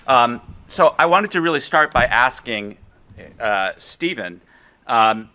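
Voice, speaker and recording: A man moderates a campus panel, posing a question in halting stretches full of restarts and fillers. His voice has a bright, forceful edge. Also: medium pitch, animated.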